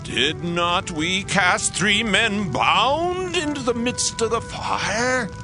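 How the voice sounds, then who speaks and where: A man's voice: high-pitched, lively intonation. A man playing a proud, wrathful ancient king of Babylon in a dramatized scripture reading, imperious and grandiose. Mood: astonished. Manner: imperious, grandiose, drawn-out theatrical delivery. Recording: music behind the voice.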